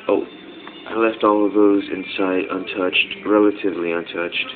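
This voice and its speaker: A man with a fairly low pitch, flat monotone intonation and moderate pace, amid noticeable background noise. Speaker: hobbyist model builder. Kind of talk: casual talk to camera.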